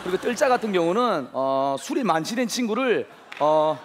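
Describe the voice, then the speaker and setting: A self-important young man lectures like a fake big-city sophisticate. His high voice swings widely into lilting endings, in a noisy live stage recording of sketch comedy. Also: big pitch swings, moderate pace. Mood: excited lecturing. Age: young adult. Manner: pompous, exaggerated lilting sentence endings. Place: large theatre stage, indoors.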